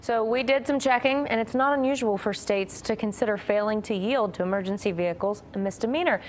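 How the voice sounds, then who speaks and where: A woman's voice: fairly high pitch, fairly quick, a little hiss or hum. A woman anchoring a TV newscast, reading scripted introductions and follow-ups. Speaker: TV news anchor.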